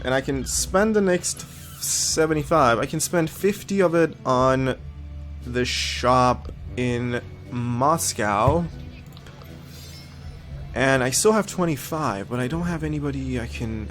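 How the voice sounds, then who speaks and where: A man hosting a let's-play video, a little sniffly from a cold, thinking aloud and reading game text with frequent ums. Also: mid-range voice. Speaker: gaming video host. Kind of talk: casual let's-play commentary.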